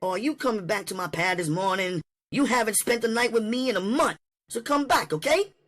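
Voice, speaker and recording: A man voicing a defiant young woman with a New England accent, talking fast and loud in a high, strained voice. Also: lively intonation. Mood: pleading. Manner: shouting, high-strung, rapid and shrill. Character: fiery young woman, sharp-tongued and defiant. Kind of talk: audiobook character voice.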